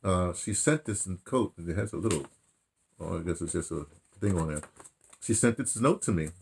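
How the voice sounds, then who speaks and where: An American man in his seventies with a husky voice, reminiscing casually to camera in a halting, digressive way, correcting himself as he goes. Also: deep voice, expressive, a little hiss or hum. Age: 70s. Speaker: theatre director and radio dramatist recounting his career. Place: small furnished room indoors.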